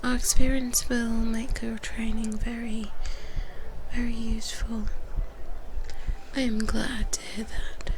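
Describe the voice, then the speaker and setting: A woman's voice: fairly high pitch, level tone, background noise. A woman voicing protective, reassuring vampire twin sisters in a soothing whispered ASMR roleplay, speaking close to the microphone. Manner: soothing, slow, close personal attention. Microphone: close microphone for headphone listening.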